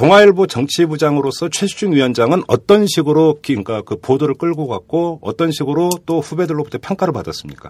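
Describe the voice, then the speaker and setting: At a fairly quick pace with hardly any pauses, a man with an unremarkable speaking voice talks at a fairly high pitch with lively intonation. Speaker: podcast host, political commentator. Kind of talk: news commentary and interview.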